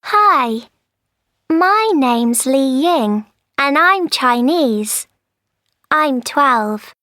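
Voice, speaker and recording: A woman voicing a young schoolgirl introducing herself in scripted learner audio, slow and clearly articulated. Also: high-pitched, animated, pushed and bright, no room sound, clean studio sound, full character voice. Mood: friendly. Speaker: voice actor in textbook audio.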